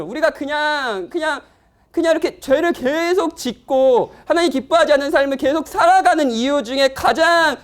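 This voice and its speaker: A man preaching a sermon in a church, speaking conversationally and playfully with his congregation. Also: very high-pitched. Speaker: pastor. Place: church, afternoon service.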